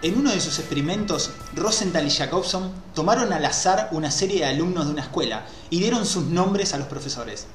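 A man in his thirties speaking on a headset mic in a small room, explaining psychology ideas with lively hand gestures. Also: high-pitched. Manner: animated, gesturing with both hands. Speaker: host. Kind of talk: explanatory talk on a video call. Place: small room with a white wall, indoors. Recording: echoey room with faint music.

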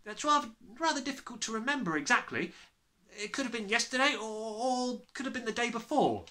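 A man voicing a brave, cheeky, bright little schoolboy in a storybook, matter-of-fact and plucky. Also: very high voice, expressive, brisk, voice pushed up, full character voice.

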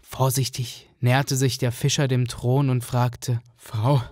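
A man narrating a fairy tale for a radio play in a calm, measured way. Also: mid-range voice, dry recording, clean studio sound.

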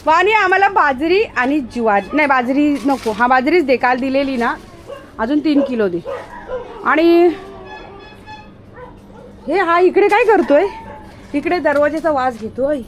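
A woman's voice: high voice, expressive, measured pace, long pauses, soft background music. A woman, talking to her pet dog outdoors in a coaxing, repetitive, sing-song way. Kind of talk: casual coaxing talk to a dog.

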